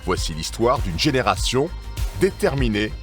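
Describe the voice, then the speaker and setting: Male documentary narrator, mid-pitched, serious and measured, music bed behind. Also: big pitch swings, fairly bright tone. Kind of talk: scripted voice-over narration.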